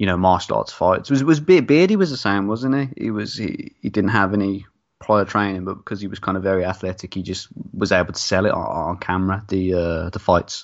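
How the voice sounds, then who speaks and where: An unremarkable speaking voice moves at a fairly quick pace, its pitch varying in an ordinary way. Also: man. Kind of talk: casual chat about films. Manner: rambling, filler words.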